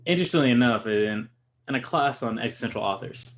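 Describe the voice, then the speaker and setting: A man's voice: medium pitch, expressive, fast, close to an everyday voice. A man playing an opinionated, thoughtful music lover, speaking in a considered, intellectual way in a play reading. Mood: conversational. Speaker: actor in a staged reading. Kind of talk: conversational dramatic play reading.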